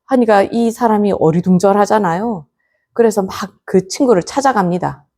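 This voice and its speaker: A woman's voice: mid-range voice, moderate pace, mellow. A woman, a Buddhist nun, gives a temple lecture, telling a story and posing questions to her class.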